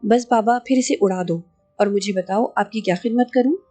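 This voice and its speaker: A woman's voice: mid-range voice, mellow, faint music behind, lightly acted. A woman doing a haughty, vengeful rich lady. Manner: imperious, demanding.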